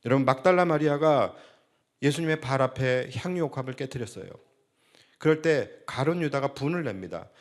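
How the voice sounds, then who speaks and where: A middle-aged male pastor delivers a Sunday sermon. His pitch is lively and moves a lot as he speaks. He keeps turning to the congregation with rhetorical questions. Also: a little fast. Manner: preaching with rhetorical questions, acting out quoted speech. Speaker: senior pastor.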